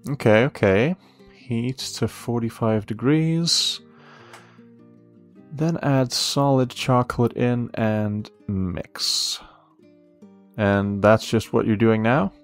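An actor playing a friendly, protective young café worker in a romance audio roleplay, curious and admiring, gently teasing with hesitant pauses. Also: male voice, medium pitch, close to an everyday voice. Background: soft guitar music.

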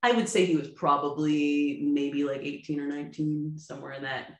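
Animated American woman, echoey room. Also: sits low, lo-fi sound. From United States. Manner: animated storyteller, quick laughs. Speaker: podcast co-host. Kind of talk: casual chat. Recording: roomy echo.

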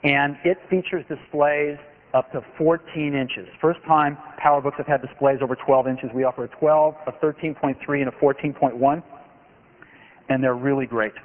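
A man's voice: mid-range voice, steady tone, moderate pace. A man in his forties giving an emphatic product keynote on a big conference stage. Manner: enthusiastic, emphatic salesmanship. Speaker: company executive giving a keynote. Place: large conference hall stage. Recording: tinny lo-fi archive recording of a hall.

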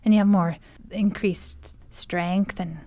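A woman's voice: medium pitch, steady tone, slow pace, warm tone, dry recording, close to an everyday voice. A woman playing a sweet, eager, flirtatious small-town baker in an improvised radio drama, coaxing and hesitant. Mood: flirty, suggestive.

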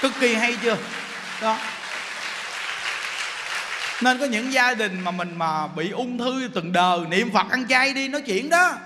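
High-voiced monk preaching. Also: male voice, lively intonation, a little slow, pauses often, long reverb tail, a crowd in the background, background noise. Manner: joking, storytelling, laughs often. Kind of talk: humorous dharma talk.

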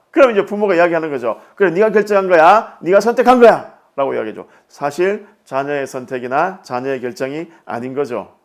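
Lively middle-aged male parenting host. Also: a little high. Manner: animated storyteller acting out family dialogue. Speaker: parenting educator and show host. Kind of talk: casual monologue with a story.

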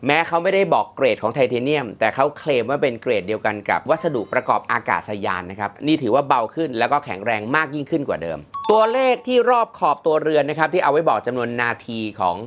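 A man presenting a smartwatch review in a chatty, lively way, with many polite fillers. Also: mid-range voice, fast, few pauses. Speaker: tech reviewer.

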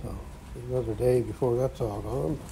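A man's voice: mid-range voice, normal speed, warm tone, slight background noise, low-quality recording. A man rambling in a folksy way while filming in his cluttered home workshop garage. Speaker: vlogger. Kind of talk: casual workshop vlog.

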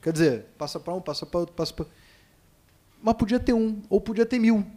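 A man's voice: high voice, animated, a little fast, warm tone. A man answers in a hearing room as an invited expert, plain-spoken and fond of rhetorical questions. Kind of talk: spontaneous committee speech. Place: legislative committee hearing room.

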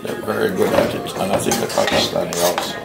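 A deep-voiced man talks through a home cooking demo, his voice gravelly and swinging widely in pitch. He repeats himself and keeps answering with a yes. Loud music plays under him. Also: big pitch swings, fast. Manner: repetitive, affirming himself with frequent yeses. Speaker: home cooking channel host. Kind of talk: casual cooking demonstration. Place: home kitchen. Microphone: off-camera, hands only in frame.

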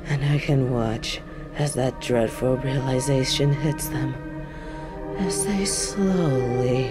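A woman acting the part of a hot-tempered, sarcastic mafia boss with a soft side in an audio roleplay. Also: a bass voice, slow, loud music behind the voice. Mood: cold, menacing. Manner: dry, threatening, sarcastic, dramatic sighs.

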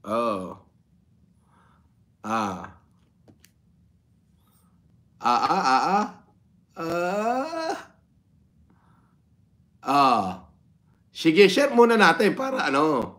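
Casting: Filipino man, middle-aged, slightly higher-pitched, very unhurried casual livestream host with lots of pauses. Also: wildly swooping pitch, bright, forceful tone. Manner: unhurried, drawn-out, with many pauses and interjections. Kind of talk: casual livestream chat, greeting viewers. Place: indoor room with framed painting. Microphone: phone propped at arm's length.

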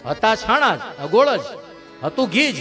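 A man's voice: high voice, animated, moderate pace, in a large hall, music in the background. A man voicing an earnest, humble young devotee.

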